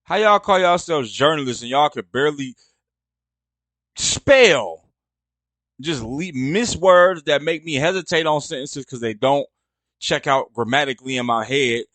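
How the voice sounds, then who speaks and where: A man's voice: a little high, measured pace, fairly bright tone, no echo. A man hosting a podcast, delivering a casual, profane, mocking rant full of exasperation. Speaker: podcast host. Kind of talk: casual ranting commentary.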